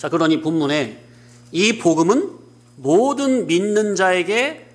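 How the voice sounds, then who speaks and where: There's audible room echo as a man talks at a very slow pace. His pitch makes very wide swings. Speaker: pastor. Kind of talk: sermon. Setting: church.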